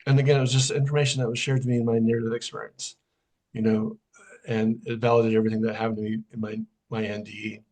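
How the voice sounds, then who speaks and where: A podcast guest who works as a sound healer, a middle-aged man, recounts a personal experience in a relaxed way, quoting the dialogue as it happened. He talks quickly, his voice low, level and somewhat dark.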